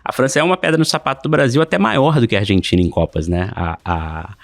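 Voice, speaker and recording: Fast-talking Brazilian man, dry sound. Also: medium pitch, steady tone, gravelly, dry recording, faint music behind. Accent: Brazilian Portuguese. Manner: fast, hesitant, repeats words. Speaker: newspaper sports editor, guest. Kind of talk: podcast interview.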